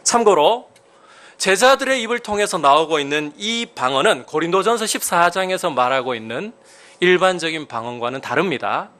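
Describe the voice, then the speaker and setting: A man preaching a sermon as a pastor, emphatic, with sudden rises in pitch and loudness and questions put to the congregation. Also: expressive, moderate pace.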